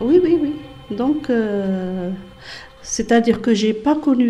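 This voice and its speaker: A woman's lively intonation at a very slow pace. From Algeria (Oran). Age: 70s. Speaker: interviewee, domestic violence survivor. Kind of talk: testimony. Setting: radio interview. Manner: halting, many hesitations.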